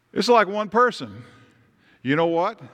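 Against a quiet background, a man with a Tennessee accent speaks with lively intonation. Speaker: interim pastor. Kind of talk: sermon. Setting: church.

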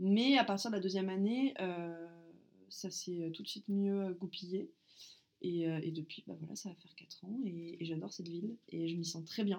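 A woman with a plain, everyday voice speaks at a medium pitch and moderate pace, with ordinary pitch variation and big swings in loudness. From central France (Loir-et-Cher, Blois). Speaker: illustrator and roller derby player. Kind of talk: casual interview chat.

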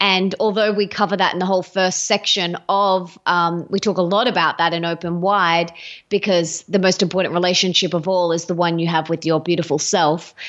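A woman's fairly low, monotone, flat voice in an Australian accent, at a fairly quick pace with hardly any pauses and very even loudness. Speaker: author and speaker. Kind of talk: casual interview.

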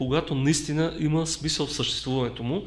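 At a fairly slow pace, a man with a normal speaking voice talks at a fairly high pitch. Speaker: political analyst and researcher. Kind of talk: casual interview conversation.

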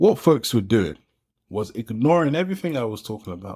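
In a very clean recording with a silent background, a man with a South London accent talks at a fairly quick pace with ordinary pitch variation. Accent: South London, Multicultural London English. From Peckham, South London. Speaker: creative technologist and artist. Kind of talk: casual interview chat.

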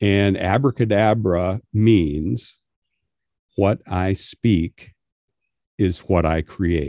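In an American accent, the speaker's dark, mellow tone comes through a dry, close sound with no echo and a quiet background, moving very slowly with long, frequent pauses and ordinary pitch variation. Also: man, very deep, low pitch for a man. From US Midwest (northwestern lower Michigan, rural). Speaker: leadership coach and magician. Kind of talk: casual chat. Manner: casual, confident.

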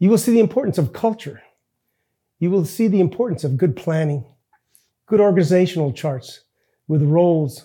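Somewhat breathy, with a dark, mellow tone, the voice moves at a moderate pace with lively intonation. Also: man. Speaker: nonprofit loan fund executive. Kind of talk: promotional introduction.

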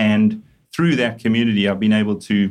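A man with a South African accent speaks fairly quickly in a flat monotone at a fairly low pitch. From South Africa, Johannesburg. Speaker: real estate tech executive. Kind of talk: podcast interview. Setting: studio.

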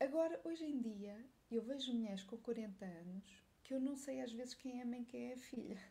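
A woman with a European Portuguese accent, fairly high in pitch with ordinary variation, at a moderate pace. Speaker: fashion stylist and coach. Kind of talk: live stream monologue. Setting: live video stream. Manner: casual, with fillers and repetitions.

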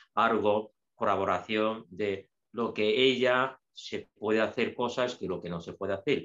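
A man speaks with a Japanese accent and ordinary pitch variation. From Japan, Kobe. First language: Japanese (speaking Spanish). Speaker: president of a cultural association. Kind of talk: interview. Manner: halting.

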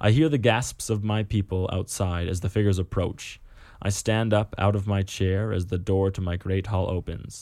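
An unforced reading voice, its intonation fairly even

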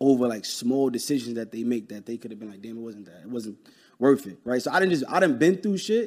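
A man talks at a very fast pace in an animated, passionate tone, his loudness swinging widely. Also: medium pitch for a man, lively intonation. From Brooklyn, New York. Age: 30s. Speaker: real estate investor. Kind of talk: casual interview chat.

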